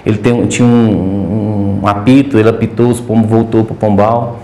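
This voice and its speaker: A man's voice: on the low side, level tone, normal speed, mellow, reverberant. A man with a Minas Gerais accent, a podcast guest who breeds homing pigeons, talking hesitantly with many restarts. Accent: Minas Gerais Portuguese. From Brazil. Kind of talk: casual interview chat.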